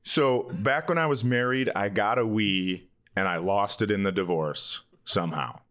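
A man's voice: lowish voice, normal speed, a bit bright. A man hosting a comedy podcast, bantering casually in a playful, joking and crude way. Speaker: podcast host.

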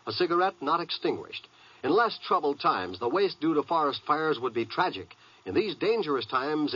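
A man's voice: a little high, pushed and bright, slightly rough. A man reading a scripted 1950s radio public service announcement in an earnest, emphatic way. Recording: dull, dry old radio recording.

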